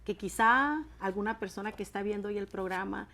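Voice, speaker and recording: A woman preaching on a Christian TV program, building to loud, emphatic pleas. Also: medium pitch, fairly quick. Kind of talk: impassioned sermon.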